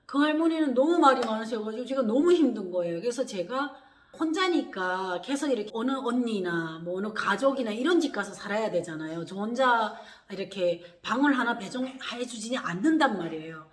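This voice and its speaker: A woman from Korea, telling her personal story in a lively way, acting out what others said. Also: on the high side, fairly quick. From North Korea. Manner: animated, acts out quoted voices with gasps and laughs. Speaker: vlogger. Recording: echoey room.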